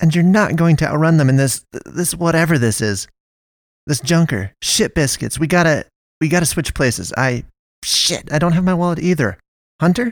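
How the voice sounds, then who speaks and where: In a put-on character voice, a man speaks at a moderate pace with a fairly high pitch, a nervous tone, hissing, and long, frequent pauses. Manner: urgent, nervous, hissing.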